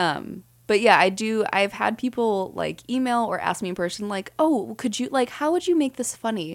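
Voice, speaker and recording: A woman with a slight Wisconsin accent speaks at a moderate pace in a fairly high pitch with lively intonation, on a very clean recording with a silent background. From Wisconsin, US Midwest. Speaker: humor writer. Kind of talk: casual chat.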